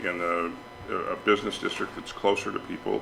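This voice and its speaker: Noticeable background noise under a man's voice with an American accent. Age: 60s. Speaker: zoning board chair. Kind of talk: public meeting deliberation. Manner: halting, many false starts.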